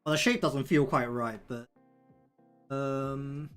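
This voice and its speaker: A man with a thick New Zealand accent and a medium-pitched voice talks casually on a livestream. He rambles and thinks aloud while he works, with music playing faintly behind him. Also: steady tone, slow pace, a bit bright. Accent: broad New Zealand. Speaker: live streamer. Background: background music.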